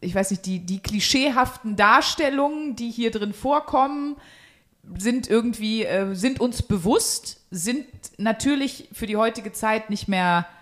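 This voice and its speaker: A woman with a fairly high voice hosts a casual comedy podcast. She speaks bluntly and peppers her talk with swearing. Her indignation is exaggerated and playful. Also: animated, a little slow, fairly bright tone. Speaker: podcast host.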